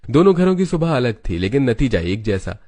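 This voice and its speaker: A man narrating an animated family story in a steady, storytelling manner. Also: medium pitch, fairly quick, no echo.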